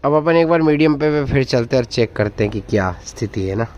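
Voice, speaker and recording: A man's voice: mid-range voice, expressive, quick pace, lo-fi sound, noisy background. A man casually demonstrating a radio, chatty and enthusiastic, repeating his praise, recorded on a phone indoors. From India. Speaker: radio reviewer. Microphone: phone camera held close to the radio. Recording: loud radio music playing behind.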